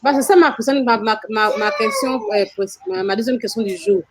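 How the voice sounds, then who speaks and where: A woman's voice: on the high side, animated, normal speed. A woman asking an imam questions, stumbling and repeating words as she searches for them. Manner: hesitant, stammering questions.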